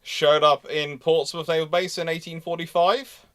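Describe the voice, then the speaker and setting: A man hosting a live question-and-answer talk on history, explaining things informally and discursively, often halting mid-thought. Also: on the high side, little pitch movement, a bit bright, clear, resonant tone. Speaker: host of a live naval history show.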